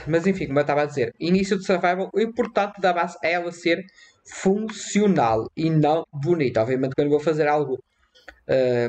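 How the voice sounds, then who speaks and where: A man with a European Portuguese accent giving casual, excitable let's-play commentary, repeating his phrases and breaking into quick panicky outbursts. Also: fairly high pitch. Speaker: gaming YouTuber.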